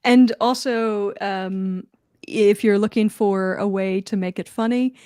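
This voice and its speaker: A woman's voice: mid-range voice, fairly even intonation, slow pace, warm tone, clear, resonant tone, no echo. Chatty Philadelphia-accented woman, dry sound. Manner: chatty, laughing often, self-deprecating. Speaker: co-host. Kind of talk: casual livestream chat. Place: home office.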